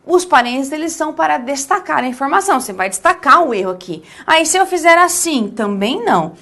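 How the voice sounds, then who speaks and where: This teacher, a woman whose accent is Brazilian Portuguese, gives an essay-writing lesson in which she stretches out important words and frequently checks that the listener is following. She sits high in pitch, sounding expressive and fairly bright.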